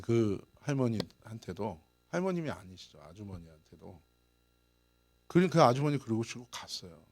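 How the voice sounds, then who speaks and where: A man's voice: fairly low pitch, moderate pace, breathy edge. A male pastor preaching a sermon in a storytelling way, chuckling often and acting out the people in his anecdotes. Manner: lively anecdotes, chuckles often, acts out quoted lines. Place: church service.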